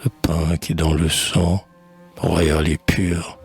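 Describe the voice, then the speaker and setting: Guy with a really low husky voice reciting a poem super slow, bit of music under it. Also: little pitch movement. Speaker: poetry reader. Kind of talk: solemn poetry recitation.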